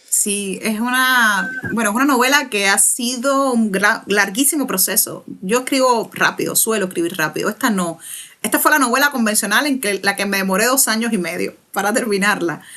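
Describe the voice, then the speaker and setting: Speaking in a Cuban accent at a fairly high pitch, a woman keeps a moderate pace and ordinary pitch variation against noticeable background noise. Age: 30s. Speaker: writer. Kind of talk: interview.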